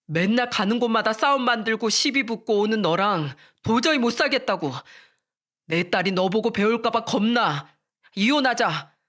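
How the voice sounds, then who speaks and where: A woman voicing a furious younger husband who shouts curt orders at his wife. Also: fairly high pitch, animated, normal speed. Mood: angry. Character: angry younger husband, man in his thirties.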